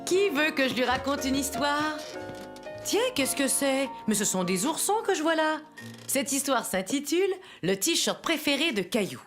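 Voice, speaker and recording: A woman playing a kindly storyteller, narrating a children's cartoon tale in a gentle, expressive manner. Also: high voice, normal speed, soft background music. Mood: inviting.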